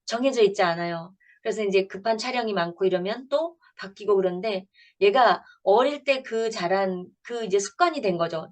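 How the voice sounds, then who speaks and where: Earnest woman pastor lecturing parents. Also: medium pitch. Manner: earnest storytelling, acting out family dialogue. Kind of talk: church lecture.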